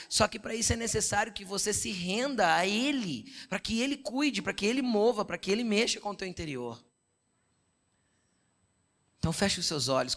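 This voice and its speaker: A middle-aged man with a Brazilian Portuguese accent preaches in an easy, talkative way, on the higher side of a man's pitch. He tells personal stories, acts out quoted dialogue and keeps asking the congregation whether they understand. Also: fairly bright tone. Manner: conversational preaching with frequent "entendeu?" check-ins; storytelling, quoting God and his wife in dialogue. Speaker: pastor. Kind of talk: sermon.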